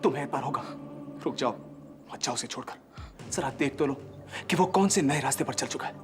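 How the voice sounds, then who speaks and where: A man's voice: mid-range voice, a little fast, music in the background, close to an everyday voice. An actor playing an earnest young man who begs a woman not to leave, in a TV serial drama. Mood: earnest, pleading. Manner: urgent, imploring. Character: pleading young man, Rishabh.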